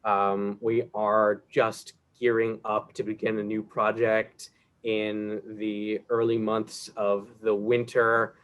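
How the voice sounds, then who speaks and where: A young man speaks in a fairly low voice, taking his time and drawing out each point. He talks casually and at length, like a student on a video call panel. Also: monotone, slow, clear, resonant tone. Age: young adult. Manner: chatty, explains at length. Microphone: video call mic.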